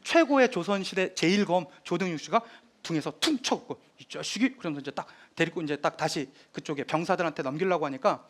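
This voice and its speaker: Man, history lecturer, animated storytelling, high pitch. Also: fast talker. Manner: lively storytelling, acts out scenes. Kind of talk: animated lecture retelling drama scenes.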